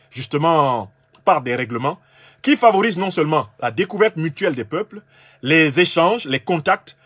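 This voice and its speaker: A man's voice: a little high, a bit bright, slightly rough, no echo. A man from Cameroon giving a lecture-style monologue, emphatic and argumentative, speaking straight to his listeners. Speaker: political commentator.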